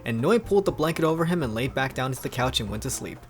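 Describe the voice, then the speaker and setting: A young man hosting a fan fiction reading, moving between narration and chatty, animated reactions. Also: mid-range voice, fast, soft background music. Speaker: video host reading fan fiction aloud. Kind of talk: casual storybook reading with chatty commentary.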